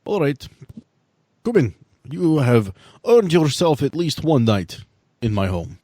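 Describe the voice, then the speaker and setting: A man playing a measured, courteous authority figure who speaks formally and deliberately in an improvised role-play game. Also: on the high side, sing-song, dark tone, no echo, studio quality, voice pushed up, heavily acted. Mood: proud, generous. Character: measured, courteous authority figure, proud host of his town.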